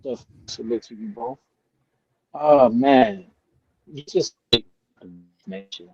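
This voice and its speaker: Gravelly man on a choppy, glitching call. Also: mid-range voice, takes it slowly, warm tone, no echo. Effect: choppy, underwater-sounding call audio breaking up. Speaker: guest. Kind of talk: casual chat. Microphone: headset on a remote call. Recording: dull lo-fi headset call.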